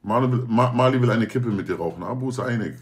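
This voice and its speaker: A man's voice: mid-range voice, fast talker. A young man talking casually to viewers on a livestream, slangy and joking, often swearing oaths. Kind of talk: casual stream chat.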